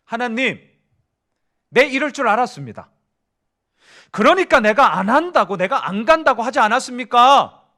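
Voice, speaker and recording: Guy doing a whiny complaining prophet, high and sharp, arguing nonstop. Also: very animated, normal speed, pauses often, full character voice. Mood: exasperated. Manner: whiny, argumentative, petulant. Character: indignant male prophet complaining to God. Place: church.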